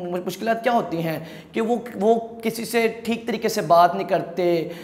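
A man's voice, with ordinary pitch movement, is heard with audible echo from the room. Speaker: presenter. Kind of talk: religious talk to children. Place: studio. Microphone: lapel.

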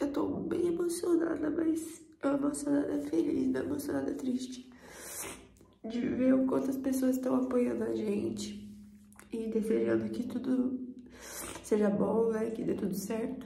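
With long, frequent pauses and a fairly slow pace, a woman speaks in a high voice amid audible room echo. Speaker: vlogger. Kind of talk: casual vlog chat. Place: bathroom. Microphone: phone near.

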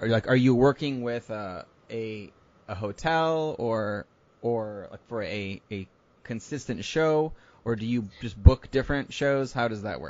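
At a fairly slow pace, an ordinary speaking voice moves with ordinary pitch variation and big swings in loudness. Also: man, medium pitch for a man. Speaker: podcast host. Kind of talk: interview. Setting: remote call.

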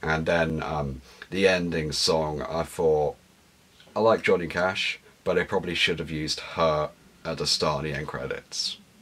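Speaking at a moderate pace in a British accent, a man keeps a very deep, low pitch and fairly even intonation. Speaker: vlogger. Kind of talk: vlog monologue. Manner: casual, conversational.

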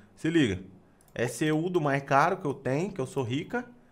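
A man's animated tone over faint music in the background. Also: long, frequent pauses. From Brazil. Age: 30s. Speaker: gaming YouTuber. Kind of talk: gameplay commentary.

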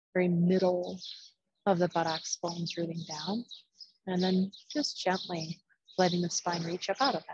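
A woman with a fairly low, somewhat breathy voice speaks with fairly even intonation and long, frequent pauses, recorded dry with no echo but with noticeable background noise. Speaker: yoga teacher. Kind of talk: guided meditation. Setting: outdoors recording. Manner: slow, soothing, calm and gentle with pauses. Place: garden. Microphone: earbuds.

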